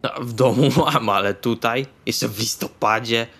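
A man's voice: medium pitch, moderate pace, a bit bright, husky. A man playing a sarcastic, crude, casual male vampire in an improvised tabletop roleplay.

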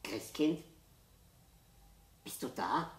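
A woman's voice: rumbling low, animated, very slow, heavy background noise, full character voice. A woman voicing an eager, hopeful little male fox cub in a storybook reading. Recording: roomy echo.

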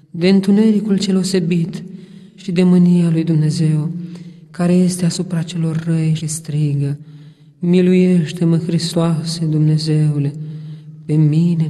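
Solemn man intoning prayers, dark hall reverb. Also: a little high. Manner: slow, measured, intoning. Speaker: reader of Orthodox prayers. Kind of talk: solemn liturgical prayer reading.

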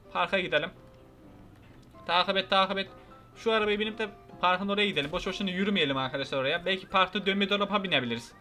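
A man giving lively, excitable commentary over his gameplay, joking and shouting at the characters on screen. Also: high-pitched. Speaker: gaming YouTuber.

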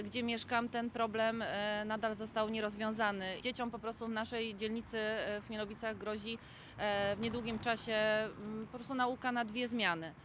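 A woman's voice: on the high side, background noise. A woman speaking at a press conference as a council candidate, hesitating often with fillers. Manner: hesitant, many filler pauses. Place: outdoors in a city.

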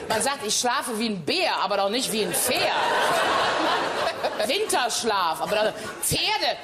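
A woman on a comedy panel show, talking loud and quick through laughter. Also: fairly high pitch, big pitch swings, very noisy. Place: TV studio with live audience.

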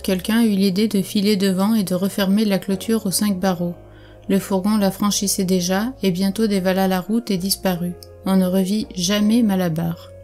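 A woman narrating an audiobook in a measured, even reading. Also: medium pitch. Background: faint music.

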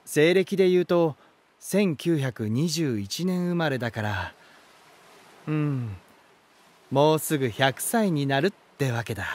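An elegant male lighthouse spirit from a voice drama. He speaks in a slightly high register at a slow, savouring pace. His manner is genial and theatrical, that of a storyteller addressing a guest. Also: dry recording. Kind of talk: Japanese voice drama acting.

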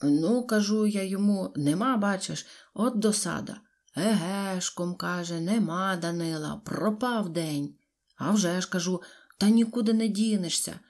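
A man's voice: sits high, measured pace. A woman voicing a chatty male villager who rambles in folksy sayings in an audiobook. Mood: rambling.

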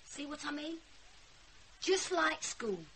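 A woman's voice: high-pitched, lively intonation, takes it slowly, a bit bright, slight background noise, full character voice, low-quality recording. An actress playing a cheeky, rebellious fifteen-year-old village girl in a radio drama. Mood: sullen, offhand. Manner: cheeky, offhand, defiant.

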